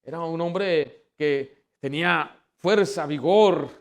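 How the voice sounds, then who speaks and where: A man preaching as pastor, telling personal stories with acted-out quotes and rising to loud, forceful exhortation. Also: a little high, slow. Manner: storytelling, acts out quoted voices, builds to loud exhortation. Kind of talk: sermon.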